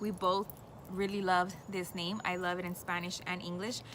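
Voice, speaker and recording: Speaking at a fairly quick pace, a woman has a medium pitch and a bright, sharp tone. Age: 20s. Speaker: beauty and lifestyle vlogger. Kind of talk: casual Q&A vlog while eating. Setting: outdoors. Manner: eating while talking.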